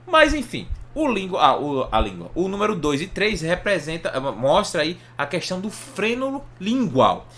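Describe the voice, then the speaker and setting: A man's voice: high voice, wildly swooping pitch, moderate pace, hardly any pauses, a bit bright. A Brazilian man giving an informal lesson in Portuguese with a Brazilian accent, explaining didactically, asking and answering his own questions and often checking that listeners follow. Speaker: health educator, online presenter. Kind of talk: informal anatomy lesson to camera.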